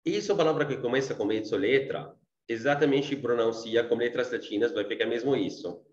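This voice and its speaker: A man's voice: mid-range voice, fairly quick, echoey room, dull audio. Man teaching with an Arabic accent. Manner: repeats himself, checks in often with tá and gente. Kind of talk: online language lesson.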